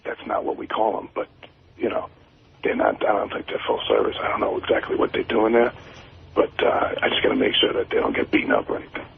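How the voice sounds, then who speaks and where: A man's voice: on the low side, big pitch swings, fast, vocal fry, slight background noise. A man calling in to a radio show, whispering and stammering over the phone. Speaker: caller. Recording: tinny phone line.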